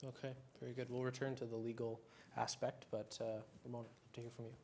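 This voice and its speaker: A man's voice: medium pitch, level tone, quick pace, darkish tone, a little hiss or hum. A man moderating a panel discussion, introducing speakers politely with brief prompts.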